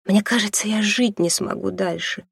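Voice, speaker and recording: A reader voicing a desperate mother torn by a new love, pleading in a husky, high, breaking voice. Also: moderate pace, dry recording, clean studio sound. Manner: pleading, tearful, rising to high anguished pitch. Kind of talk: audiobook reading.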